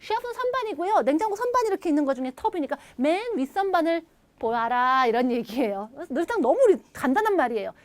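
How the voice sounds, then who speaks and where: Bright lively woman teaching English grammar. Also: sits high, fast talker, dry recording. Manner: lively, animated, leads repeat-after-me drills; acts out little dialogue lines in playful voices. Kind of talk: recorded video lecture.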